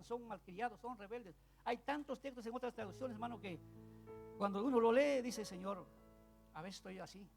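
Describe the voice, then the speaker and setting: A man preaching a sermon, telling a story with loud bursts and then dropping to hushed asides. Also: sits high, creaky.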